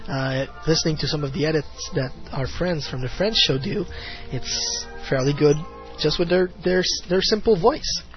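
Hosting a laid-back fan talk show, this podcaster speaks in a slightly high voice at a moderate pace with few pauses, though he rambles, restarting often and using lots of fillers. Faint music plays beneath the muffled, lo-fi sound.

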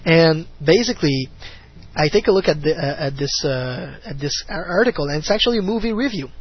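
The host of a casual fan talk show podcast has a fairly high, slightly rough, expressive voice and talks fairly quickly. He rambles with many fillers and restarts, and the recording is muffled and lo-fi with faint music.

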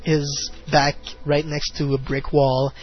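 A man's voice: fairly high pitch, level tone, takes it slowly, husky. A man hosting a casual fan talk show, rambling with plenty of fillers and restarts. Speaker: podcast host. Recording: muffled lo-fi audio with faint music.

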